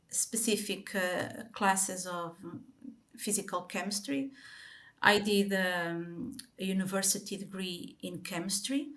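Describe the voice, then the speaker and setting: A woman's voice: medium pitch, fairly bright tone. A Portuguese woman speaking English with a Portuguese accent as an interview guest, telling her life story with many ums and restarts.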